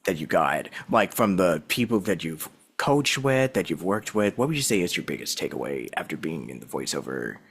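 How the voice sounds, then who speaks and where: A man with a very low, gravelly voice hosts a casual interview. His pitch moves around a lot as he rambles. He is from Southern California and leans on fillers. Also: sing-song, normal speed, few pauses, a bit bright. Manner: rambling, loose and laughing, with many fillers. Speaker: podcast host.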